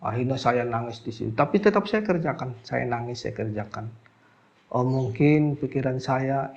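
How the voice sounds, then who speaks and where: A middle-aged man telling a personal story in casual speech. He acts out the people he quotes and his voice drops low and soft as he talks about crying. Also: dull audio. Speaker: alternative healer.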